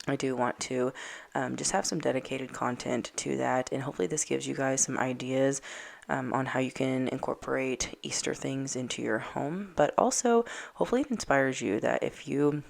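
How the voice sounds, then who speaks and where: A woman home decor vlogger chatting casually to camera, losing her voice from a dry throat, soft and hesitant with many ums. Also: very deep voice, fairly even intonation, normal speed, vocal fry.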